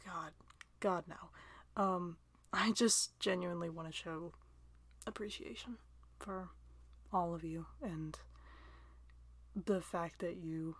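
A young woman with a voice on the low side rambles slowly through listener questions, laughing often, getting self-deprecating, and sometimes dropping into a soft, near-whispered aside. The recording is dry and close, with no room sound or echo.

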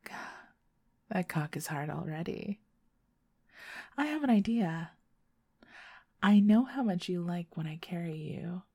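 A young woman in an intimate audio roleplay, talking softly and coaxingly and often whispering close to the microphone. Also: lowish voice, expressive, a little slow, long pauses, slightly rough, no echo.

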